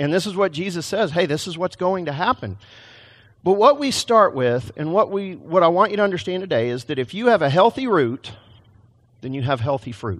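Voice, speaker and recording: An American-accented man with a high pitch talks at a fairly quick pace with very wide pitch swings. The recording is very clean, with a silent background. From Texas. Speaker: pastor. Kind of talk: sermon. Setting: church.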